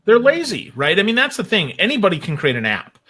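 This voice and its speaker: Bright, emphatic higher-pitched man. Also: quick pace, slightly rough. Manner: emphatic, blunt, animated. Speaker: guest on a marketing talk show. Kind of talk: casual opinionated chat.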